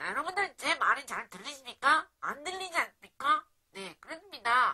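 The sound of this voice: A nasal, high-pitched put-on character voice moves along at a moderate pace.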